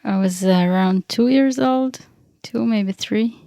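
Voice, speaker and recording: Slow, hesitant woman from Ukraine. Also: on the high side, vocal fry, warm tone, no room sound, clean studio sound. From Ukraine, raised in Israel. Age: 30s. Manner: thoughtful, hesitant, searching for words. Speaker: guest. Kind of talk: casual interview.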